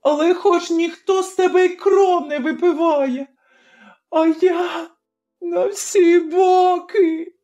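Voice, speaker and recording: A furious young village girl, shrill and high, yelling and crying, storybook voice, soft music under it. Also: extremely slow, highs cut off, full character voice. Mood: sobbing. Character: young village woman, wronged, furious and sobbing. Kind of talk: audiobook character voice.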